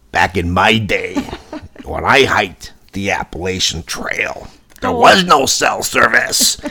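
A man with a medium pitch performs a put-on character voice. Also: fairly slow pace. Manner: nostalgic, gruff.

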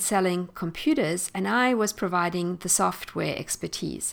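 A woman with a South African accent speaks at a moderate pace with ordinary pitch variation. The recording is very clean, with a silent background. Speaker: podcast host and homeschool mom. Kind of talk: solo podcast introduction.

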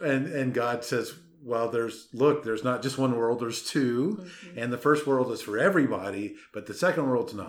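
Using a normal speaking voice, a man talks at medium pitch and a moderate pace with ordinary pitch variation. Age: 50s. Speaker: podcast host, Bible teacher. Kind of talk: casual family discussion. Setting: piano studio with room noise.

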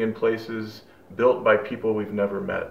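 The speaker has an American accent and talks at a moderate pace. Noticeable background noise runs behind the voice. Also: man. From suburban US. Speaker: podcast host. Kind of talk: conversational interview. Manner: halting, repeats words.

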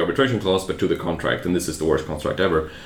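A man with a very deep, low voice and a Swedish accent talks at a very fast pace. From Sweden. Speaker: arbitration lawyer, podcast co-host. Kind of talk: casual chat.

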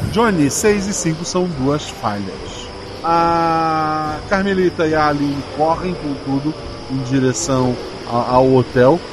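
Over noticeable background noise and audible room echo, a man talks at a very slow pace. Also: fairly high pitch for a man, ordinary pitch variation. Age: 30s. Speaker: game master and podcast host. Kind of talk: tabletop RPG narration.

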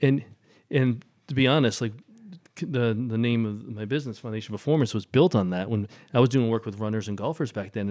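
A dark, mellow voice with an American accent talks at a fairly quick pace with ordinary pitch variation. The recording is very clean, with a silent background. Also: man. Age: 40s. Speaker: physical therapist. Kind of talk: casual interview.

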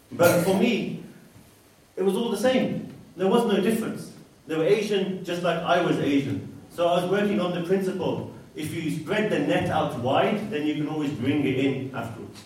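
A man with a high pitch speaks over noticeable background noise, with audible room echo. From England, Coventry. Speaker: convert speaker. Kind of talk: talk at an event.

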